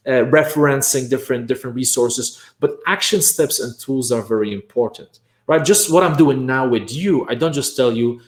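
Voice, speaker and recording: A man from Poland, Polish his first language, giving an energetic online workshop on making courses, stressing points with "right?" and repeated "bam". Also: medium pitch, reverberant.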